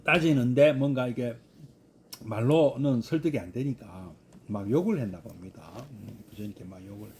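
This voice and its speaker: A man's voice: medium pitch, normal speed, darkish tone, slight background noise. A man, a Buddhist monk, giving a scripture study lecture with many hesitant fillers and rhetorical questions.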